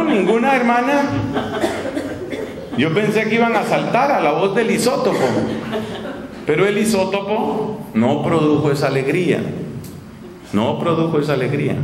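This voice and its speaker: A man preaching a sermon to nuns as a friar, animated and conversational, asking his listeners questions and acting out little scenes. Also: a little high, background noise. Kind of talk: radio sermon. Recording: echoey hall, long reverb, faint ambience.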